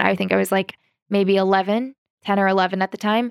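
A woman with a General American accent speaks at a moderate pace in a medium pitch with monotone, flat intonation, captured in a very clean recording with a silent background and a dry, close sound with no echo. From US East Coast, Southern Maryland. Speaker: journalist and activist. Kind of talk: casual interview chat.

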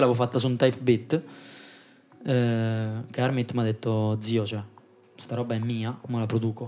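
At a moderate pace, a man speaks in a medium pitch. His speech has long, frequent pauses. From Pescara, Abruzzo, Italy. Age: 20s. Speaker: rapper. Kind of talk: casual chat.

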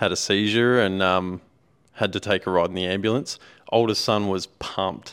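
There's an Australian accent in this man's fairly low voice, which holds a fairly even intonation. He keeps a moderate pace in a very clean recording with a silent background. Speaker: podcast host. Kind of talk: casual chat.

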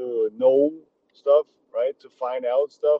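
A man is talking. He has a German accent. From Austria. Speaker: basketball coach. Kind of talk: recorded monologue.

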